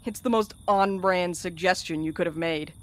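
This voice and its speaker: A woman's voice: on the low side, moderate pace, natural voice. A woman acting in a fiction podcast as a sardonic, blunt courier with a dry, slangy, wisecracking way of talking. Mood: wry. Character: sardonic, blunt, irreverent courier and loyal friend.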